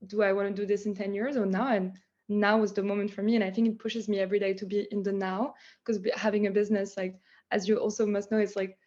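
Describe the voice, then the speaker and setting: A woman's voice: mid-range voice, highs cut off. A young woman from France with a French accent, chatting as a guest about the business she founded, full of "like" fillers. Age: young adult. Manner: chatty, many "like" fillers, animated. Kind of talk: casual interview chat.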